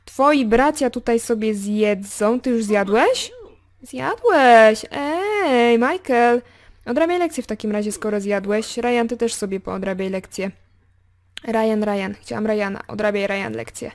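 A young woman hosting a casual game commentary, chatting straight to her viewers and swinging between excited remarks and quiet muttered asides. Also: mid-range voice, moderate pace. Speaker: gaming video host. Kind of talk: casual let's play commentary.

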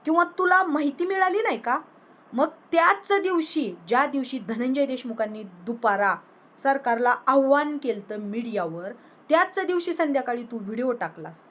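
A woman's voice: high-pitched, lively intonation, moderate pace, a bit bright. A woman vlogger in a political rant, angrily scolding a rival with rhetorical questions. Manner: angry, scolding, confrontational.

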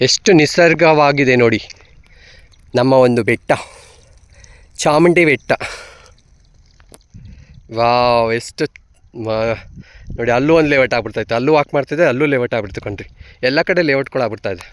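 A trans woman vlogger talks casually while walking outdoors on a hill, teasing and bossing her viewers loudly. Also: a bass voice, moderate pace, pauses often. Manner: loud, teasing and bossy, scolding the viewers playfully. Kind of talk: casual vlog. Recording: roomy echo.

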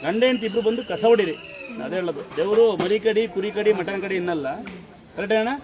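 A man with a Kannada accent, a temple priest instructing and blessing devotees at a fast, forceful pace. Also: sits high. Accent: Kannada, Karnataka. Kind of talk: loud public address to devotees. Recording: loud crowd behind.

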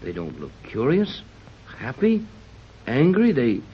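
An actor playing a level-headed male sea captain who takes charge in a calm, reassuring way, in a 1930s radio drama. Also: medium pitch, takes it slowly, slightly rough, full character voice. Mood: steady. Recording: dull old 1930s radio recording.

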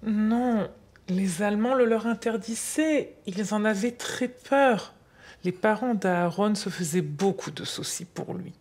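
A woman's voice: medium pitch, a little slow, darkish tone. A woman as an older, patient grandmother explaining history to a child in a storytelling way. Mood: patient, explanatory. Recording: music under the voice.

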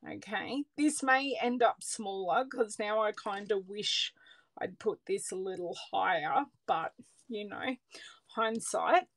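Slow-talking Australian woman crafting. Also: mid-range voice, fairly bright tone. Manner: chatty, thinks aloud, drops to murmurs while working. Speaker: card-making demonstrator. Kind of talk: casual crafting livestream chat. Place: craft table indoors, overhead camera on hands.

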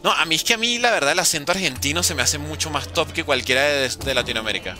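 A young man chatting jokily with his stream chat while playing, with sudden animated outbursts. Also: fairly high pitch, fast talker, noisy background. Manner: jokey, reads and answers chat, animated outbursts. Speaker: gaming streamer.

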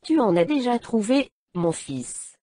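A woman reading the lines of an elderly blind patriarch in a solemn, measured way. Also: fairly high pitch, big pitch swings, dark tone, no echo, studio quality. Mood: grave.

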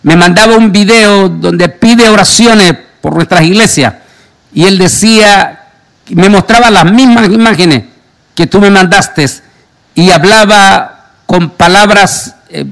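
A man's voice: high-pitched, creaky, fairly bright tone. A man who hosts a religious program as a pastor, introducing and questioning a guest emphatically. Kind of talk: religious broadcast interview.

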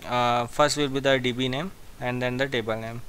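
Male instructor, bright sharp voice, step-by-step screen tutorial, some background noise. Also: mid-range voice, steady tone, normal speed. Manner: step-by-step, repeats phrases. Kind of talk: screen-share software tutorial.

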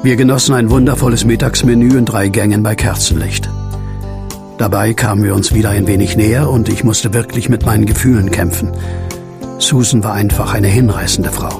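An actor playing a brooding widower who tells his horror story in an earnest, measured, reflective way in an audio drama. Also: lowish voice, steady tone, close to an everyday voice. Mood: wistful, reflective. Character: brooding widowed man haunted by a werewolf. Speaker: narrator and lead character. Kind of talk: German audio drama acting, first-person narration. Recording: music under the voice.

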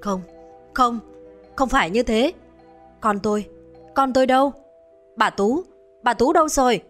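A woman's voice: mid-range voice, lively intonation, moderate pace, a bit bright, soft background music, close to an everyday voice. A woman voicing a distraught older village man who talks in frantic, stammering repeats. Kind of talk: dramatized horror storytelling.

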